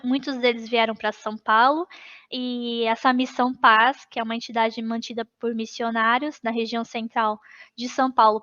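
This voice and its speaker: A woman's voice: fairly high pitch, pushed and bright. Brazilian woman explaining a lesson. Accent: Brazilian Portuguese. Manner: explanatory, with fillers and restarts. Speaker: teacher trainer. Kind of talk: presenting a lesson. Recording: dull lo-fi online meeting.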